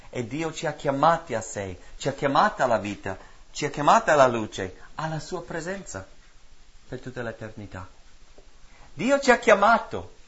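A man preaching a sermon in a rhythmic, repetitive cadence, swinging between loud emphatic lines and hushed drops. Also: fairly high pitch, dull audio.

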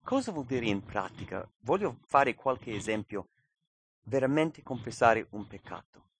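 A man's voice: medium pitch, sing-song, unhurried, husky. A man preaching a sermon in an earnest, emphatic way, often asking rhetorical questions.

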